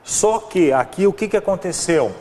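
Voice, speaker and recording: A man's voice: high voice, expressive, normal speed, a little mellow, long reverb tail. A man with a Brazilian Portuguese accent teaching an exam-prep grammar lesson, walking through examples and often checking in with "né?". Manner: explanatory, repeats examples, frequent "né?" and "ó".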